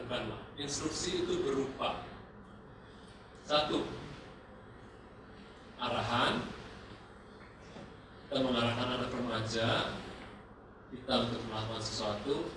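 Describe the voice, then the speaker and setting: A man leading a church parenting seminar, lively, acting out parent and teen exchanges and dropping in English phrases. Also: medium pitch, measured pace, pauses often. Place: large church hall. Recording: echoey hall, voice far from mic, noisy.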